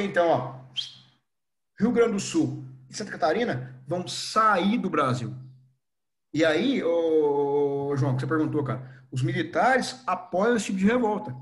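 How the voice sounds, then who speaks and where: Young Brazilian male history teacher, high voice, animated and playful. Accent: Brazilian Portuguese. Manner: animated, acts out scenes with voices. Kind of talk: lively online class lecture.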